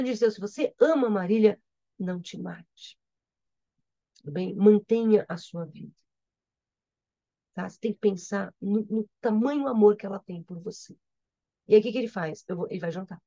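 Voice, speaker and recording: Brief: Brazilian woman literature teacher, mellow, dry close sound, explains and repeats, checks understanding. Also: mid-range voice, gravelly, no echo, lo-fi sound. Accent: Brazilian Portuguese. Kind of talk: reading and explaining a poem in a lesson.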